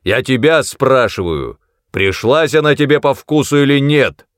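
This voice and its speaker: A man voicing a brutal, drunken middle-aged father who mocks and threatens his son loudly. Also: fairly high pitch, very animated, measured pace, no room sound, studio quality, voice pushed up. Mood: menacing. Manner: mocking, menacing, loud.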